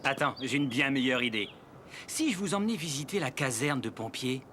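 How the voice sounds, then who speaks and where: An actor playing a friendly, enthusiastic firefighter in a French children's cartoon, patiently and jovially explaining things to a child. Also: male voice, medium pitch, expressive, brisk, bright, forceful tone, slight background noise.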